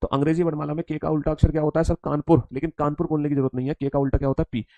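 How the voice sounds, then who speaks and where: Guy teacher, kinda high voice, dry close sound, keeps repeating stuff and making the class chant. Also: very fast, dry recording. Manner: drills students aloud, repeats each line, calls them son; animated, loud call-and-response recitation. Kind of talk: classroom lesson.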